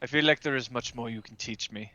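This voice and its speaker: Tabletop game role: proud, formal arboretum keeper played by a man, sharp bright tone, dry close sound. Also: mid-range voice, no room sound, muffled recording, close to an everyday voice. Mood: grudging. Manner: formal, deliberate, haughty.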